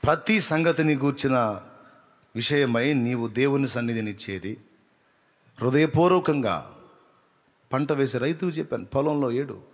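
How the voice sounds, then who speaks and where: Man, preacher, sermon, passionate, loud appeals, soft prayerful asides. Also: mid-range voice, animated, unhurried, long pauses.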